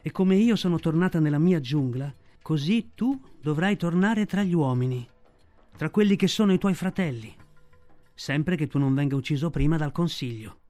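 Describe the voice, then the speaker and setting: A proud, protective black she-panther, read by a man in a spoken storybook, tender and grave. The voice sits a little high with a mellow, soft tone. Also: animated, moderate pace, soft background music, lightly acted.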